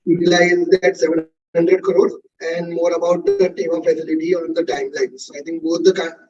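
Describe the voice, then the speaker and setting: A man's voice: on the high side, completely flat delivery, brisk. A man speaking as an individual investor on a muffled, echoey, distant call line.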